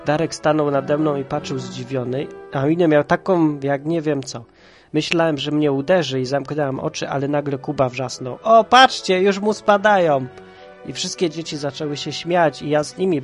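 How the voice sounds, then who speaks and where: Man with a cold reading a tale. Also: a little high. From Kraków, Poland. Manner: lively, playful storytelling. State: stuffy with a head cold. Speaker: storyteller and podcast host. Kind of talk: reading a children's story aloud.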